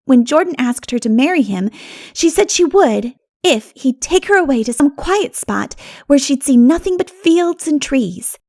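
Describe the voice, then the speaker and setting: A woman voicing a lively, gossipy country girl who tells local tales in an audiobook. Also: high voice, measured pace, voice pushed up. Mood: storytelling. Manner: animated, gossipy.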